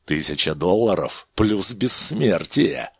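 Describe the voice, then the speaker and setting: A cold, composed doctor from a storybook, giving clipped, measured orders with quiet menace, as a male narrator voices him. His voice is husky and sits close and dry. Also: low-pitched, lively intonation, dry recording, full character voice. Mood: menacing.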